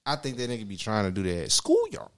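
A man guesting on a casual podcast, relaxed, often restarting and repeating himself. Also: on the low side, very fast.

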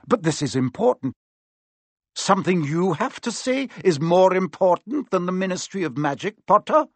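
A man's voice: high voice, sing-song, unhurried, dry recording, voice pushed up, exaggerated voice. A man voicing a stern, strict older female professor who speaks coldly and curtly in a storybook reading. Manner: clipped, cold.

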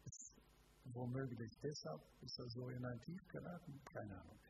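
A man's voice: mid-range voice, moderate pace, creaky, heavy background noise. A man preaching a live sermon to a congregation, speaking emphatically and asking them direct questions. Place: church service before a congregation.

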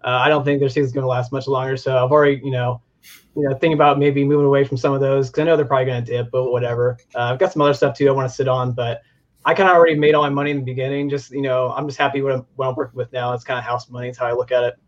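A man in his twenties from Indianapolis joins a casual chat as a guest. He talks quickly in a loose, hesitant way, full of fillers. His audio comes through dull and muffled. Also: mid-range voice, little pitch movement. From Indianapolis, USA. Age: 20s. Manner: laid-back, hesitant, many fillers. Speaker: guest from a community Discord.

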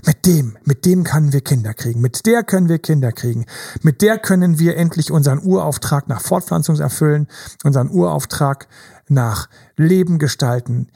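Man doing a primal inner lizard, greedy, repetitive chanting, gravelly, husky. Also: a little high, normal speed, dark tone. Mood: urging.

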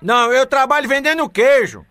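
A man's voice: very high voice, lively intonation, brisk, bright, forceful tone, no room sound. A man hosting a radio prank call, teasing and mock-polite as he repeats his catchphrases. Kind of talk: prank phone call banter.

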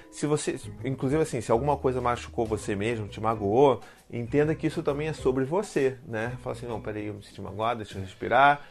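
A father with a Brazilian Portuguese accent gives casual parenting advice to the camera, chatty and animated, often checking in with the viewer. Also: medium pitch. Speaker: parenting content creator and father.

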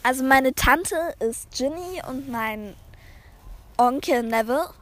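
A young woman in animated, casual chat with a friend during a game, laughing and quick to get excited. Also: sits high. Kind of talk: casual chat while playing a drawing game.

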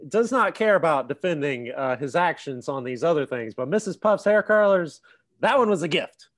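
A man's voice: fairly high pitch, animated, normal speed. A man co-hosting a casual podcast chat, laughing often as he tells the story. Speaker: podcast co-host.

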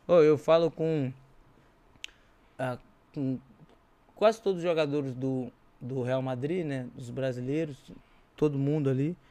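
A man's voice: mid-range voice, a little slow, long pauses, warm tone. A man with a Brazilian accent chatting casually as an interview guest, telling stories in slangy, informal speech. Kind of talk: casual chat, animated storytelling.

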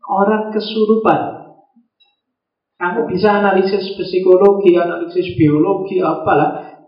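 High-voiced man lecturing in a roomy classroom. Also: steady tone, measured pace. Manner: joking, conversational, acts out little quoted exchanges. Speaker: philosophy lecturer. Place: classroom with students. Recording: roomy, dull lo-fi classroom recording.

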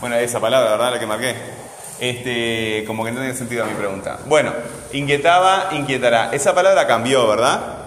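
A man teaching a grammar lesson one-on-one, repeating words slowly syllable by syllable and asking guiding questions. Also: medium pitch, a bit bright, roomy sound, long reverb tail, a little hiss or hum. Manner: asks frequent guiding questions with "¿verdad?".

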